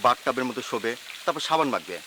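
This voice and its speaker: An actor playing an eager production assistant who rushes to calm his boss. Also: mid-range voice, a little hiss or hum. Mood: explaining. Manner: hurried, placating. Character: eager male production assistant, hurried and flustered.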